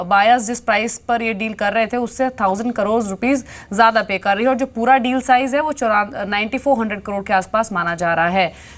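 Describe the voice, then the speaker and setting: तेज़-तर्रार महिला business news anchor. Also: female voice, a little high. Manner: brisk, fluent, mixes English terms into Hindi. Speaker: business news anchor. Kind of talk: live market news presenting. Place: television studio.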